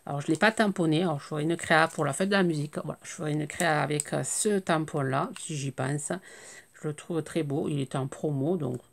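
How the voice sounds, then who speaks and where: A French woman with a slightly hoarse voice, chatting casually and hesitantly about her crafting purchases, full of fillers and restarts. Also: low voice, brisk. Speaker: crafting YouTuber. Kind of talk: casual haul show-and-tell.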